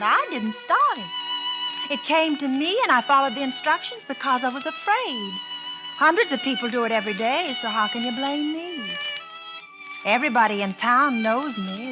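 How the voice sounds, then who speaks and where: An actress playing a bitter, suspicious small-town wife in 1940s radio acting, sarcastic and resentful. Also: female voice, high voice, sing-song, moderate pace, muffled recording, music in the background. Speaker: narrator and lead character.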